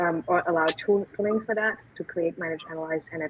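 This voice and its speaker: In a German accent, a woman with a fairly low pitch speaks at a moderate pace with fairly even intonation. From Germany. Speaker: startup executive, panelist. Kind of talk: panel discussion introduction.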